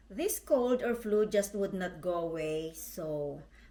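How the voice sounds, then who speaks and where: A woman with a Filipino accent, medium pitch, lively intonation and a fairly slow pace. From Philippines. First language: Tagalog and Ilocano. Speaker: vlogger. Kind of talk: reading aloud.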